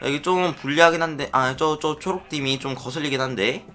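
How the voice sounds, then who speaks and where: Man, gaming commentary, excitable, very bright voice, fairly high pitch, faint music behind. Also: brisk. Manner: excitable, shouting and chanting during play. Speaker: gaming YouTuber. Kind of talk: Minecraft minigame let's play commentary.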